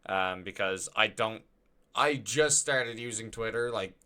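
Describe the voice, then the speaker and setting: Podcast host guy, bright voice, casual chatty and excited, swears a bit. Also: lowish voice, measured pace. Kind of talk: casual chat.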